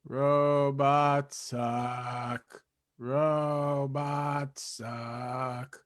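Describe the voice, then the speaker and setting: One male actor as heckling wrestling crowd: crude repeated chant, flat, extremely slow, deadpan. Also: medium pitch. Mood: jeering.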